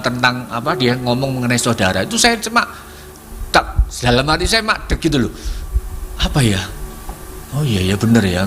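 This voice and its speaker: A middle-aged man tells his testimony to a church gathering. He speaks in halting, repetitive phrases full of fillers, at a middle pitch. Music plays clearly underneath. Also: a bit bright. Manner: halting, many fillers and repeats, searching for words. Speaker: congregation member giving testimony. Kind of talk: spoken testimony at a prayer service. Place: church hall. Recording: church service with music playing behind.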